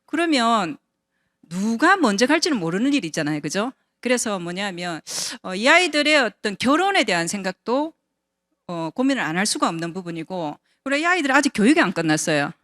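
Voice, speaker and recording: A woman's voice: mid-range voice, sing-song, a little fast, a bit bright, no room sound. A woman in her fifties giving a personal testimony at a business seminar, talking conversationally and asking the audience rhetorical questions. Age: 50s. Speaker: invited speaker at a business seminar.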